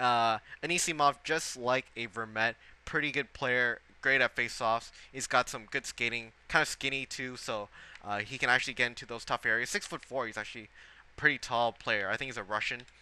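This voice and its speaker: A man speaks at a medium pitch and a fairly quick pace, with fairly even intonation. His tone is bright and sharp, and the sound is dry and close with no echo over a quiet background. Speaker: gaming YouTuber. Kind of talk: gameplay commentary. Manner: fast; casual, many filler words.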